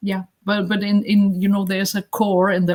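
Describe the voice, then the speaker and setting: On a very clean recording with a silent background, a woman speaks at a moderate pace. Her voice is somewhat breathy and medium in pitch. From Germany, Bavaria (Nuremberg). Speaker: member of a druid order. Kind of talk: interview conversation. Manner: halting, with frequent repetitions.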